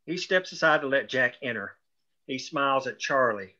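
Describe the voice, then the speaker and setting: A man's voice: mid-range voice, lively intonation, normal speed, sharp tone. A man narrating screenplay stage directions in a scripted read, on dull lo-fi audio.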